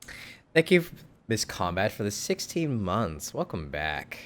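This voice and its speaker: A man's voice: fairly low pitch, very animated, measured pace, noisy background. A male streamer giving playful, teasing live commentary over a game, full of slangy asides.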